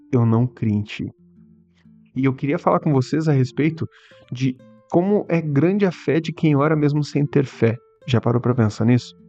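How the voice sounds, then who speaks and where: A man's voice: mid-range voice, mellow. Earnest Brazilian man giving a testimony. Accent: Brazilian Portuguese. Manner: earnest, frequent "tá?" tags, halting restarts. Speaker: Christian content creator. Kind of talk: personal testimony and preaching. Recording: dull lo-fi audio with faint music.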